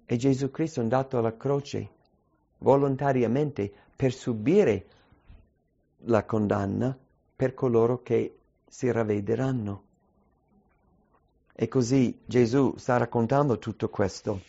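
A man's voice: mid-range voice, steady tone, a little slow, vocal fry, long pauses, mellow, lo-fi sound. A man preaching a sermon with emphasis, using many rhetorical questions.

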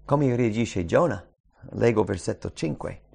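A man's voice: lowish voice, lively intonation, a little slow, creaky, a little mellow, husky. A man preaching a sermon, reading scripture aloud and repeating key phrases with earnest emphasis.

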